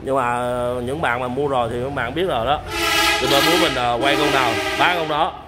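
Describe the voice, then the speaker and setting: A man's voice: medium pitch, steady tone, fairly quick, very noisy. A man casually showing and explaining used machines to camera at night, talking with lots of fillers and direct address, filmed on a phone. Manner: chatty, repeats "các bạn", many fillers. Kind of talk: casual product demo to camera. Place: at night in a storage area full of machines. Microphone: phone camera held while filming.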